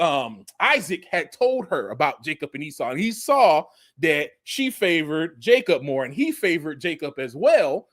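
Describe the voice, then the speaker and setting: The clean studio recording, free of room sound, captures a man's fairly high, slightly bright voice. He's a Bible teacher in his forties whose casual, conversational preaching from scripture is marked by frequent restarts, repeated "you know", and emphatic, mocking asides.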